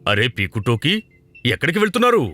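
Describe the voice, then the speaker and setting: A man's voice: mid-range voice, sing-song, fast talker, music in the background, natural voice. A man voicing a kindly, easygoing father in a children's cartoon. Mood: gentle, thoughtful. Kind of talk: animated children's cartoon dialogue.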